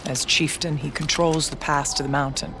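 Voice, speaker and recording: A man playing a solemn, wry tribal shaman in a video game, speaking in a measured, earnest, mystical way. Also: a little high, steady tone, noisy background, lightly acted. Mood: grave. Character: solemn, wry Banuk shaman guiding an outlander. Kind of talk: dramatic video game dialogue.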